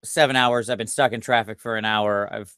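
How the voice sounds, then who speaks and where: A man hosting a casual tabletop gaming podcast, tired after a long day and talking in an animated, self-deprecating ramble. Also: on the low side, brisk, clean tone, no room sound, studio quality. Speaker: podcast host. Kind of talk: casual chat.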